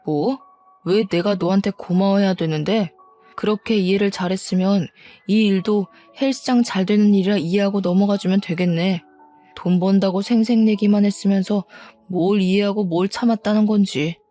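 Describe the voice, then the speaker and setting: A woman voicing a quick-tempered, defensive cheating husband, talking back with contempt and bluster in a storybook drama reading. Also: mid-range voice, fairly even intonation, mellow, faint music behind, natural voice. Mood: scornful.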